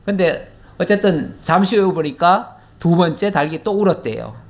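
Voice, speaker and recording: Male pastor, fairly high voice, very animated pitch, chatty Bible teaching with questions to the congregation. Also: moderate pace. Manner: conversational, asks the listeners questions; reads scripture in an old formal register.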